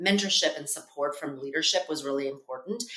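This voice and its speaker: A woman with an American accent speaks at a fairly quick pace, her pitch varying in an ordinary way. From Russia, moved to US at seven. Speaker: business executive. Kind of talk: interview. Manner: fast; animated.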